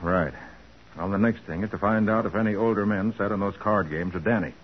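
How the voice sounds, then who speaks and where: An actor playing a calm, commanding male private detective in a brisk, authoritative 1940s radio drama style. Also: on the low side, lightly acted. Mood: calm, firm. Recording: noisy, muffled old radio broadcast.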